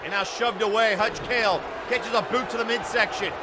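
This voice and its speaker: High-pitched shouting male wrestling commentator over crowd. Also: moderate pace. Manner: excited shouting, exclaiming at the action and the referee. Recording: noisy event audio with loud crowd. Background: crowd noise and slamming thuds.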